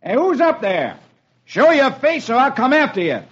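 A man voicing a brisk, commanding cowboy hero in a radio comic-strip reading. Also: sits high, sing-song, breathy edge, pitched above the performer's own voice, exaggerated voice. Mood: hearty. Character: hearty heroic cowboy man. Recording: dull old radio broadcast, faint hiss.

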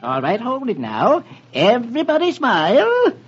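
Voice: medium pitch, huge pitch swings, measured pace, music in the background, pitched above the performer's own voice. A performer voicing a bumbling male photographer who talks hesitantly and fussily, on a dull old radio recording. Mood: fussy. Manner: hesitant, fussy.

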